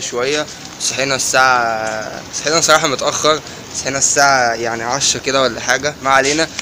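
Over noticeable background noise, the voice moves at a moderate pace in a monotone, flat intonation. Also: man. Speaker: vlogger. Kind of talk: casual vlog chat. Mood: cheerful, relaxed. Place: street. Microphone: phone near.

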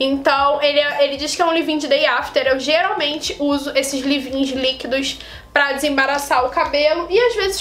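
Audible room echo and light background noise surround speech at a moderate pace with ordinary pitch variation. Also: woman. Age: 30s. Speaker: hair care youtuber and hairdresser; hair care youtuber. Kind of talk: beauty tutorial. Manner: casual, chatty. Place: home room. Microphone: camera far.

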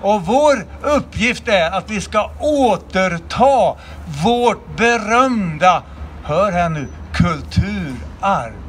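An animated man with lively intonation over light background noise. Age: 70s. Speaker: former politician. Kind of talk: public speech. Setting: outdoors. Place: street. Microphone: camera far.

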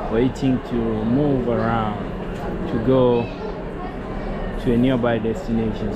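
A man talks at a fairly slow pace. Loud background noise is present. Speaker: travel vlogger. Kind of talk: casual vlog chat. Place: station. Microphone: phone near.

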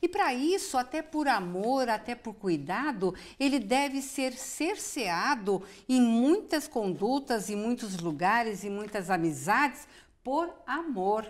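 Her high-pitched voice swings very widely in pitch as the woman speaks at a very slow pace. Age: young. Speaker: psychologist. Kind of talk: casual chat.

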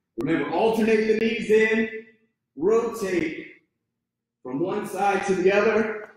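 Strong room echo fills the recording. A man speaks at a very slow pace in a high pitch. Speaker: fitness instructor. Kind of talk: guided live workout, coaching through exercises. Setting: laptop camera, online video. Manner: animated, brisk, upbeat coaching cues; clear, encouraging, and instructive. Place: gym. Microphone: webcam.

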